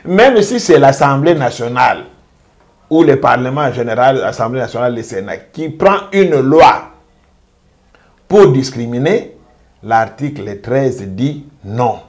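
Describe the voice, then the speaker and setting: A man speaking as a jurist, making a measured, emphatic legal argument and driving points home by repeating them. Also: medium pitch, expressive, a little mellow. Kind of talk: interview commentary.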